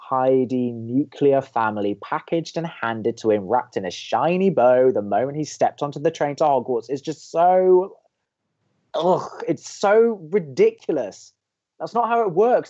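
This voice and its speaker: A cynical young college radio host, acted by a man, sardonic and quick to argue. He banters in an exasperated way at a middling pitch, and the sound is slightly dull and lo-fi. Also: a little mellow, close to an everyday voice. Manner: sardonic, argumentative. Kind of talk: bantering audio drama acting.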